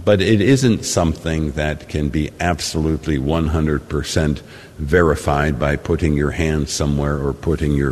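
Very deep-voiced priest in cathedral echo. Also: male voice, darkish tone. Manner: measured, deliberate delivery with pauses. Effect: cathedral echo, long church reverb. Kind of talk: Mass Gospel reading and homily. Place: large church. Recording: long reverb of a large church.

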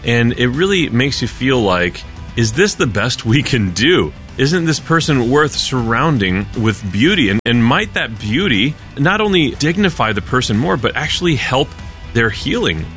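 A man, a morning show host, giving a soft, thoughtful promo for his show. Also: mid-range voice, very animated, normal speed, faint music behind.

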